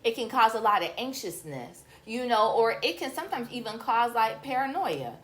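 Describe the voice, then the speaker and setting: A woman's voice: on the high side, sing-song, normal speed, a bit bright. An American woman hosting a casual podcast conversation, speaking in a direct, assertive, advising manner.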